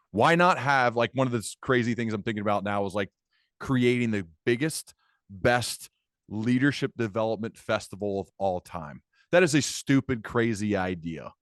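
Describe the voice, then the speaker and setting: A man's voice: lowish voice, lively intonation, moderate pace, no echo, clean studio sound. A man hosting a conversational interview podcast, thinking aloud enthusiastically with emphatic repetition. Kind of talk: conversational long-form interview.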